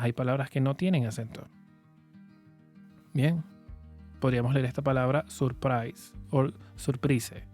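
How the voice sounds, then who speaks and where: Hombre, profesor paciente de pronunciación. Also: male voice, mid-range voice, warm tone. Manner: patient, clear, slow model words. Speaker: English pronunciation teacher. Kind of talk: shadowing lesson, repeat-after-me drills.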